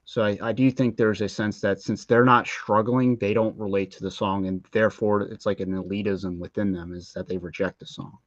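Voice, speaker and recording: A man co-hosting a casual livestream, reasoning aloud with hedges and restarts. His voice is on the low side. The sound is dull and lo-fi, and very dry. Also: fairly even intonation, no room sound. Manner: thoughtful, hedging, halting.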